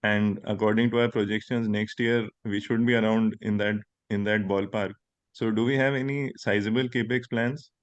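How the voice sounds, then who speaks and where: A man's voice: on the low side, steady tone, normal speed, no echo. A man with an Indian accent putting questions to company management as an investor on an earnings call. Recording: dull, dry conference line.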